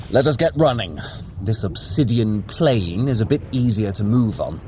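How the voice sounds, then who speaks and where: An actor playing a cunning, sardonic trickster god in an audio adventure, with a wry, condescending, theatrical manner. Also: male voice, fairly low pitch, animated, a little slow, a little mellow, slight background noise. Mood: smug. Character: Loki, cunning, sardonic male trickster god, brother of Thor. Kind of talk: scripted audio adventure acting.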